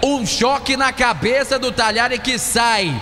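A man with a Brazilian accent narrating a live football match on radio, fast and excited, shouting at the big plays. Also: very high-pitched, big-room sound, faint music behind. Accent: Brazilian Portuguese.

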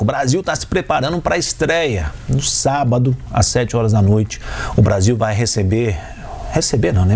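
A man hosts a live sports radio show, reading listener messages in a chatty way. His voice is husky, pitched a little high, and rises and falls a lot. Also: darkish tone.

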